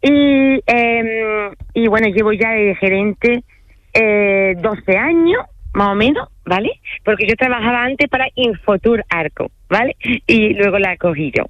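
A woman's voice: medium pitch, lively intonation, measured pace, no echo, muffled recording. A woman from France, a tour guide, talking casually in a radio interview and often checking in with her listener mid-sentence. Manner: chatty, keeps adding "okay?" and filler hesitations.

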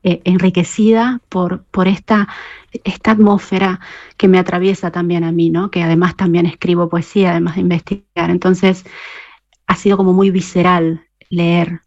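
A woman talks through her answers in an interview, her voice sitting a touch low. She hesitates and restarts often, filling pauses as she thinks. The recording is slightly dull and lo-fi. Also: level tone, darkish tone. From Argentina. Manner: hesitant, many fillers and restarts. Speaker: poet and researcher guest.

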